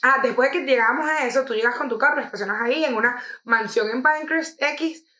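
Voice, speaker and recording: A woman's voice: high voice, fairly quick. Slangy Venezuelan woman in an echoey room. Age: young adult. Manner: animated storyteller, slangy and swearing. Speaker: podcast co-host. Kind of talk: casual chat.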